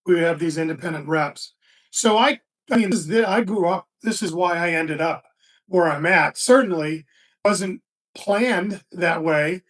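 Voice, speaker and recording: A man in his sixties, a guest telling relaxed stories in a casual interview, with frequent restarts and fillers. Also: high-pitched, a little slow. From Florida, USA. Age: 60s. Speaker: guest, business founder. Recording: distant mic.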